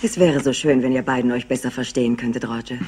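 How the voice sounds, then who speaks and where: Husky, low, worried aunt. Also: female voice, steady tone, quick pace, warm tone. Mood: wistful, worried. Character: worried wealthy aunt of a grown nephew. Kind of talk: German crime radio play acting.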